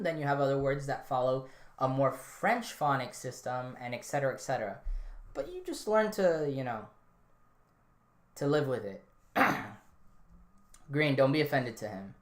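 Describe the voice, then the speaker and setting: Casual rambling man in an echoey room. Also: mid-range voice. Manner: relaxed, rambling, many fillers and restarts. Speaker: podcast host reading live chat. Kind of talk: casual livestream chat. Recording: roomy echo.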